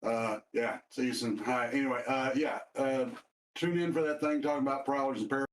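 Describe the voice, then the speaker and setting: A man's voice: mid-range voice, fairly even intonation, moderate pace, echoey room, a little hiss or hum. A man chatting offhandedly on a stream while his microphone keeps cutting out mid-sentence, so his words come through choppy. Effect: mic cutting out mid-sentence, choppy dropouts. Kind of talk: casual stream chat over a call.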